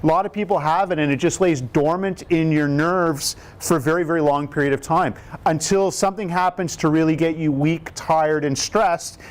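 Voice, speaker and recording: A man in his fifties with a booming voice, leading a live question-and-answer talk in a cardiac rehab class, explaining plainly and asking the room rhetorical questions. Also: normal speed, few pauses. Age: 50s.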